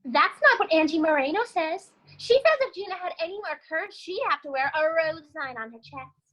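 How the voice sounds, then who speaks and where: A woman's voice: very high voice, lively intonation, moderate pace, sharp tone, full character voice, poor audio. A woman playing a whiny five-year-old boy, pleading and precociously wordy, in a sketch comedy reading. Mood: sulky.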